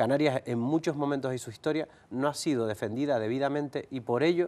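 His pitch shifts in an ordinary way. The man talks very fast. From Canary Islands. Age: 40s. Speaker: politician. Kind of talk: interview. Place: studio. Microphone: lapel.

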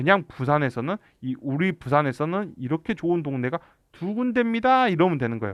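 At a moderate pace, a man with a Jeolla accent speaks in a fairly high pitch with very wide pitch swings, in a dry, close sound with no echo over a quiet background. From Gwangju, Jeolla. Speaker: real estate YouTuber. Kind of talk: tutorial.

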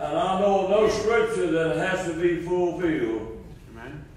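Through strong room echo and light background noise, a man speaks at a fairly slow pace. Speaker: preacher. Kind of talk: prayer then sermon. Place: church. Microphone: camera far.

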